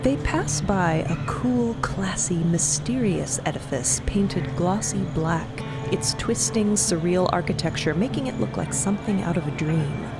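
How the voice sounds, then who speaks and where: A woman narrating a fantasy audio drama in an expressive, descriptive storytelling style. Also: fairly low pitch, unhurried, few pauses, over loud music, low-quality recording.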